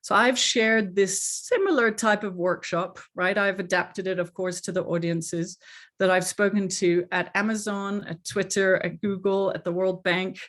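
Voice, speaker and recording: A woman's voice: mid-range voice, steady tone, measured pace. Woman with a hard-to-place international accent. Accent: mixed international English accent, hard to place. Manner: warm, earnest and chatty, with many fillers. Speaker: coach and workshop host. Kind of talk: online workshop introduction. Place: home, speaking over a video call.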